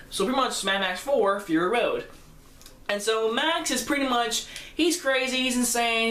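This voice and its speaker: Excited teenage boy reviewing movies. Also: high voice. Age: teenager, fifteen. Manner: enthusiastic, rambling, self-correcting. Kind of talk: casual movie review vlog. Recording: roomy echo.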